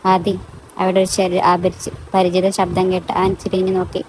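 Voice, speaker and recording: A woman narrating a romantic audio story in a calm, measured way. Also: lowish voice, a little hiss or hum, rough recording.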